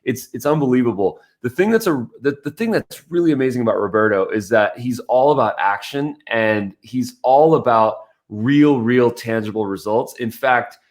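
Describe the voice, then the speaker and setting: Male podcast host, medium pitch, enthusiastic and informal interviewer who readily praises. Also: expressive, normal speed, hardly any pauses. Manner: enthusiastic, complimentary. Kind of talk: casual interview chat.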